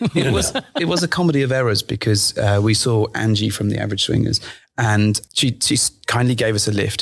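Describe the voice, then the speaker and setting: In a British accent, a man speaks at a fairly quick pace with a fairly low voice, ordinary pitch variation and very even loudness, in a dry, close sound with no echo. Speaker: podcast co-host. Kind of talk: casual chat. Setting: recording at a podcast convention.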